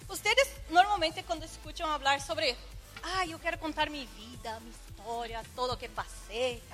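Woman, very high bright voice, animated stage storytelling, music behind. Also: moderate pace. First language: Portuguese. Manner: animated, conversational, mixes Portuguese into Spanish. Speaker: stage speaker. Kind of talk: personal storytelling to an audience. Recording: live event, music behind.

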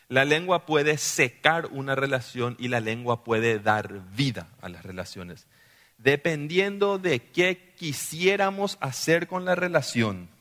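Bright-voiced preacher. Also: male voice, on the high side. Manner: animated preaching, often asks listeners "¿sí?". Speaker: pastor. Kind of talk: sermon. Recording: long hall reverb.

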